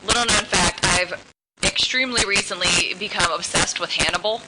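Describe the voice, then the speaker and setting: A woman with a fairly low voice co-hosts a podcast in loose, rambling chat, sometimes speeding up in bursts. A loud steady noise runs under her voice throughout. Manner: chatty, rambling, quick bursts of speech. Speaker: podcast co-host. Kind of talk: casual chat.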